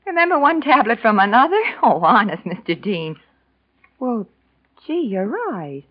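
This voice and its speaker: An actress playing a brash, nosy young office secretary who talks in a breezy, blunt, slangy way, in 1940s radio acting style. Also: female voice, a little high, big pitch swings, measured pace, slightly rough, full character voice. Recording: lo-fi old radio broadcast.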